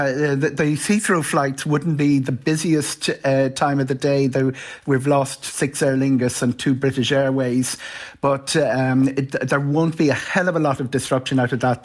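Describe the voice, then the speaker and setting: A man's voice: medium pitch, flat delivery, normal speed. A man with an Irish accent giving an explanatory live radio news interview as a travel commentator, informal and somewhat stop-start.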